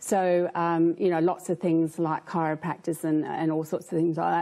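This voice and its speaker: A dark, mellow tone at a moderate pace. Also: woman. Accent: Australian. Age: 70s. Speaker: contortionist. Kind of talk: interview. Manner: halting.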